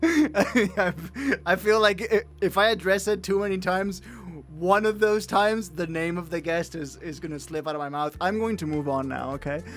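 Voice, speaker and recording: Noticeable background noise sits behind a man speaking at a moderate pace. His voice is high, with ordinary pitch variation. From Spain. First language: Spanish. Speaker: streamer. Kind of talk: live stream chat. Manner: frequent stammering repetitions.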